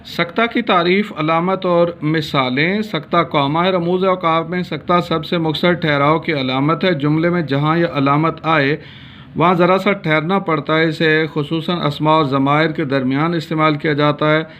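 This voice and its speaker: A man's voice: fairly high pitch, steady tone, moderate pace, fairly bright tone, a little hiss or hum. A man from Pakistan teaching a grammar lesson, reading steadily with frequent hesitation sounds. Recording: dull lo-fi recording.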